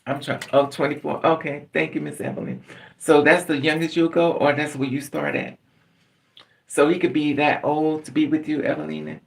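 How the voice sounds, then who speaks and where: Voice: mid-range voice, flat delivery, normal speed, creaky. A middle-aged livestream host chatting casually and candidly with viewers, laughing often and calling on them by name.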